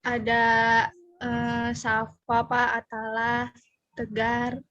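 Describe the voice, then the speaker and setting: A woman's voice: fairly high pitch, completely flat delivery, very slow, fairly bright tone. Shy young woman student on a call. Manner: shy, hesitant replies. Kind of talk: answering in an online class. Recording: dull lo-fi video call audio.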